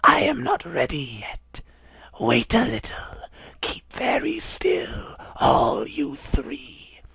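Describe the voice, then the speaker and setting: A man voicing a vengeful mother king cobra in a storybook reading, with a hissing, drawn-out whisper. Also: very high-pitched, wildly swooping pitch, sharp tone, dry recording, voice pushed up, full character voice. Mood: threatening. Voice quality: raspy, gravelly.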